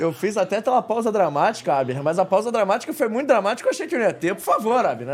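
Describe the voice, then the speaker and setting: Speaking at a very fast pace with hardly any pauses, a man uses a high pitch that swings very widely. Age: 30s. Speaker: podcast host. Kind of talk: casual chat. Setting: studio.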